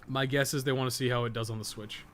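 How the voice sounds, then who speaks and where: A man with a mid-pitched voice talks over clearly audible background noise. He is streaming a game and rambles casually, blunt and opinionated, with plenty of swearing. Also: fairly even intonation, quick pace, a bit bright. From North America. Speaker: game streamer and podcast co-host. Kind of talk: casual livestream chat while playing a game.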